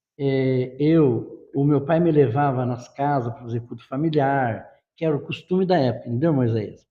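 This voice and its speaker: A man speaks at a fairly high pitch and a moderate pace. His intonation stays fairly even. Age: 60s. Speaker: church elder. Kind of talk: casual interview. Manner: halting.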